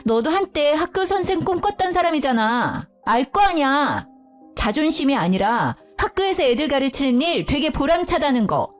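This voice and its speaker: A woman in her thirties telling a dramatized story of a marital fight, indignant and emphatic. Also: high-pitched. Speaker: storyteller, schoolteacher wife.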